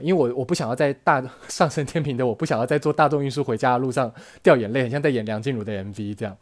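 Fast-talking man, earnest. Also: medium pitch. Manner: earnest, emotional, halting with frequent self-restarts. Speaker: podcast host telling a personal story. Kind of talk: casual storytelling monologue.

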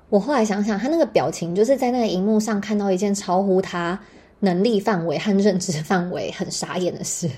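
A young woman with a Taiwanese Mandarin accent, hosting a podcast and telling a personal story in an animated, dramatic way with casual swearing. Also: mid-range voice, husky. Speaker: podcast host.

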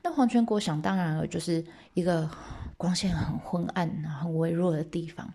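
Woman, storytelling lesson, gravelly, dark mellow voice, chatty asides. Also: lowish voice, moderate pace. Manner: lively, chatty, frequent asides to listeners. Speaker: teacher.

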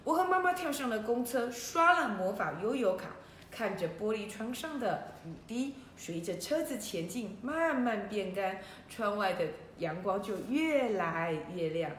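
A woman hosting a children's story show, telling the tale in a lively way and speaking directly to the young listeners. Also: medium pitch, a little slow, slight background noise. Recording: roomy echo.

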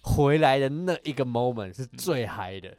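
A man interviewing a singer in a casual chat, animated and mixing English words into his speech. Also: medium pitch, normal speed, no room sound. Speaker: interviewer and musician. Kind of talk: casual conversation.

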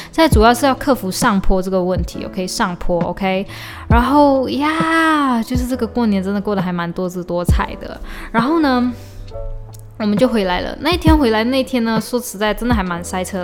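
A young woman from Malaysia, telling stories in a chatty, casual podcast diary, often restarting and mixing in English. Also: medium pitch. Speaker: podcast host. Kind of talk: casual diary-style storytelling. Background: faint lo-fi beat.

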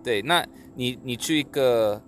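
A man who speaks Mandarin as a second language explains things casually, phrase by phrase, with pauses. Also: mid-range voice, a bit bright, soft background music. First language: not Mandarin, a learner of it. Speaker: co-host, Chinese learner.

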